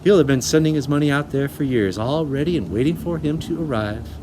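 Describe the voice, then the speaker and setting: A man voicing a gentle, kind female schoolteacher in a storybook reading. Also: fairly high pitch, brisk, noisy background, lightly acted. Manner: soft and gentle.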